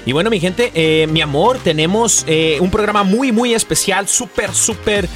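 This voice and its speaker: A man's voice: high voice, moderate pace, soft background music. A man with a Mexican accent co-hosting a casual religious radio show, joking playfully in colloquial slang.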